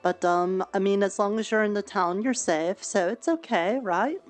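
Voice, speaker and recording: A woman's voice: mid-range voice, moderate pace, faint music behind. A woman roleplaying a town church leader, talking in a friendly, reassuring, easygoing way. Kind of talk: casual in-character roleplay chat.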